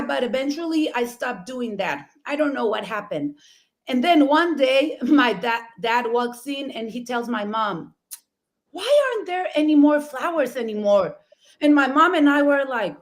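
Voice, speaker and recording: A woman's voice: sits high, big pitch swings, measured pace. A middle-aged woman from Mexico with a Mexican accent, a native Spanish speaker, telling personal stories emphatically and effusively as a talk show host.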